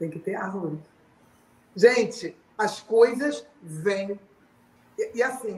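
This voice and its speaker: A woman speaks at a very slow pace and medium pitch, with ordinary pitch variation, big swings in loudness and long, frequent pauses. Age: 70s. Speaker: teacher and writer. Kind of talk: panel conversation.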